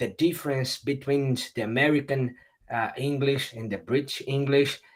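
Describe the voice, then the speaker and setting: Speech comes at a moderate pace with a Portuguese accent. The intonation stays fairly even. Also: man, fairly high pitch for a man. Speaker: English learning channel host. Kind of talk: livestream interview. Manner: halting.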